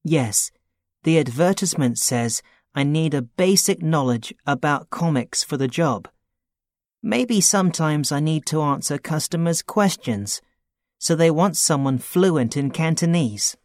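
A man playing a young man looking for a part-time job, talking in a plain, steady, matter-of-fact way in a scripted dialogue. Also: on the high side, measured pace, no echo, studio quality. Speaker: student character in a listening test.

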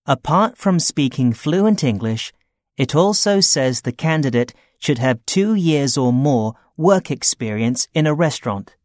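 A man playing a young man looking for a part-time job, talking in a plain, steady, matter-of-fact way in a scripted dialogue. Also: mid-range voice, unhurried, no room sound, clean studio sound, natural voice. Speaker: student character in a listening test.

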